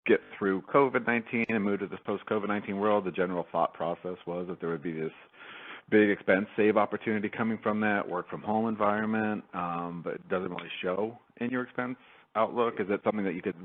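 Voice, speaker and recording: A man's voice: lowish voice, quick pace. A man, a financial analyst, putting questions on a conference call. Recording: narrow tinny phone line.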